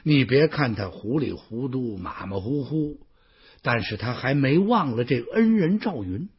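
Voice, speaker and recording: A male storyteller, telling a historical tale in a lively, colloquial way full of exclamations, with a husky voice. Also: mid-range voice, measured pace, highs cut off. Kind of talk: traditional Chinese storytelling.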